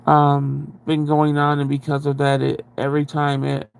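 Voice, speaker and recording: In a monotone at normal speed, a livestream host chats, rambles, and greets viewers. His voice is slightly high, stuffy and nasal, with a gravelly fry texture. Breaths are audible because he's speaking right against the microphone.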